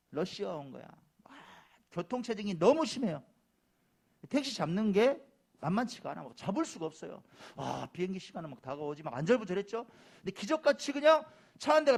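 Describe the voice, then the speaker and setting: A male pastor preaching a Sunday sermon in a church, who speaks emphatically, repeats key phrases and talks straight to the congregation. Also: fairly high pitch. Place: church sanctuary.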